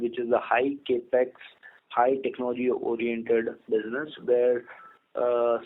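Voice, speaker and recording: Indian-accented man on a tinny phone line. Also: medium pitch. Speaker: company executive answering analyst questions. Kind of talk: earnings call question-and-answer.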